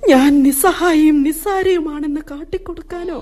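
A grieving queen mother, proud and anguished, pleading and declaiming with great intensity, as a woman acts her out. Her voice sits high yet sounds dark and mellow, and faint music plays behind it in this radio play. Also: normal speed, natural voice. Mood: reproachful. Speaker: radio drama actor. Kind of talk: classic radio drama acting.

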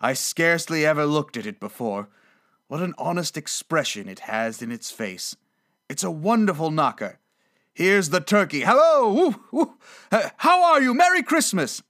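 Storybook old gentleman, voiced by a man: reformed, giddy, generous, effusively polite, highly animated delivery. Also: moderate pace. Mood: giddy delight. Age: older. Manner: exclamatory, effusive, eagerly polite.

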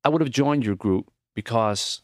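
A man voicing a gentle, reflective, dying elderly teacher in an audiobook, speaking earnestly and plainly in measured phrases. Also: mid-range voice, dry recording, clean studio sound, lightly acted. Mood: sorrowful. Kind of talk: audiobook character voice.

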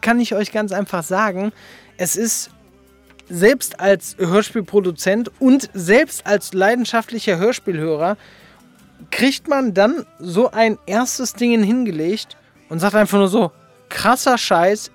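A man hosting a casual podcast chat, enthusiastic and slangy in the way he talks. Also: sits high. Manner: enthusiastic, slangy, laughs readily. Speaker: podcast host, audio drama producer.

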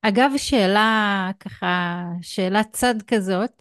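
A woman's voice: medium pitch, a bit bright, clean tone, dry recording, clean studio sound. A woman with an Israeli accent hosting a conversational podcast interview. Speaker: podcast host.

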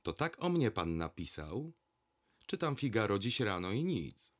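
A man reading a story aloud and voicing a brash, cynical male theatre director who talks loudly and coarsely. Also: fairly low pitch, sing-song, unhurried, pitched above the performer's own voice. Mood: indignant. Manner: loud, coarse, blustering.

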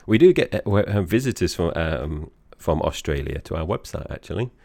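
A man with an Essex accent and a very low, creaky voice. He co-hosts a podcast in relaxed conversation, often pausing to rephrase, and is recorded close and dry. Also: dry recording. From Essex, England. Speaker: podcast co-host. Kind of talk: casual conversational podcast chat.

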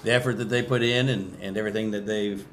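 A man's voice: fairly low pitch, fairly even intonation, fast talker, fairly bright tone, a little hiss or hum. An American man, a basketball coach, giving plain, folksy commentary in a casual interview. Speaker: high school basketball coach.

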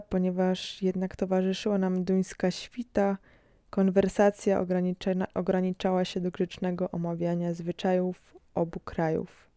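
A woman reading literary prose and a nature text aloud in a steady, measured voice. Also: lowish voice, smooth, no echo, studio quality. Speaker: reader.

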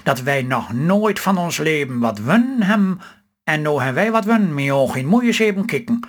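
A man's voice: a little high, big pitch swings, normal speed. A man with a Stellingwerfs accent voicing a talkative, hopeful older farm wife in a read-aloud story. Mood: eager. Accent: Stellingwerfs Low Saxon.

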